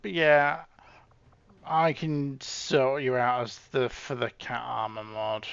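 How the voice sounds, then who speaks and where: A man's voice: mid-range voice, level tone, slow pace, creaky, a bit bright, clean tone, no echo, lo-fi sound. A man casually chatting with his live-stream audience while setting up soldiers in a game, often trailing off and restarting.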